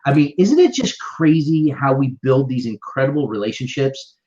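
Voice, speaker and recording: A man hosting and producing an interview show, talking in an excitable, playful way. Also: normal speed. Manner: excitable, playful, jumps up and down in pitch. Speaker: podcast host and producer. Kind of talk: casual interview chat. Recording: slightly dull lo-fi sound.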